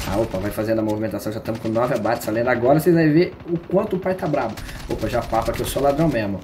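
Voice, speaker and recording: A man's voice: mid-range voice, very fast, background noise. A man with a Brazilian Portuguese accent streaming a shooter game, giving slangy, joking live commentary and teasing his viewers.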